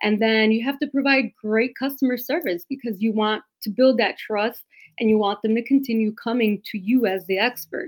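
A woman with a fairly high voice speaks at a moderate pace with ordinary pitch variation in a plain, everyday voice. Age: 40s. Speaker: real estate agent. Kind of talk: interview.

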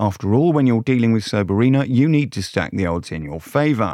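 Over a quiet background, a man at medium pitch uses a theatrical, dark, mellow tone with lively intonation. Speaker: storyteller. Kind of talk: scripted fairytale narration, darkly comic. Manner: theatrical, sweary, sarcastic snarl for the witch's lines.

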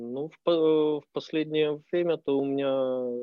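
The speaker is a man with a fairly high pitch. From Ukraine, Donetsk. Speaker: cybersecurity specialist and activist. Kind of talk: interview. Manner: halting, many filler words.

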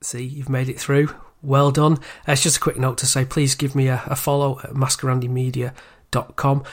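The delivery is somewhat breathy and monotone, flat in intonation, at a moderate pace in a very clean recording with a silent background. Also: man, medium pitch for a man. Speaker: podcast host. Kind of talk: interview. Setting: club reading room.

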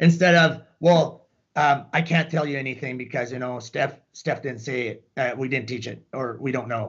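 Speaking at a moderate pace with hardly any pauses, a man with a Canadian accent has a medium, somewhat breathy pitch and ordinary pitch variation. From Canada. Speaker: jiu-jitsu academy owner. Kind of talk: casual chat. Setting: video call.

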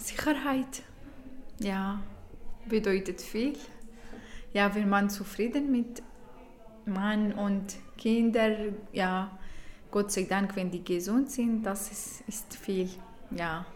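Speaking very slowly with long, frequent pauses, a woman keeps a medium pitch and fairly even intonation. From Syria. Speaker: participant, mother. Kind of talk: interview answers.

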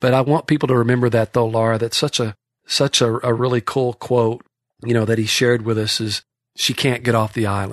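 Against a quiet background, a speaker with a Texan accent talks at a fairly quick pace in a dry, close sound with no echo. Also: man, medium pitch for a man. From Texas. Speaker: storyteller. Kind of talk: casual chat. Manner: animated.

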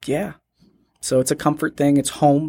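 In an American accent, a man speaks with a dark, mellow tone and fairly even intonation on a very clean recording with a silent background. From Michigan, Detroit area. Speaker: musician. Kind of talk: interview. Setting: studio.

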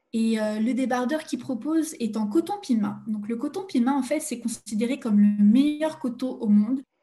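Speaking at a moderate pace with hardly any pauses, a woman has a high-pitched voice with a dark, mellow tone and ordinary pitch variation. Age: 20s. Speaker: fashion history content creator. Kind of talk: interview.

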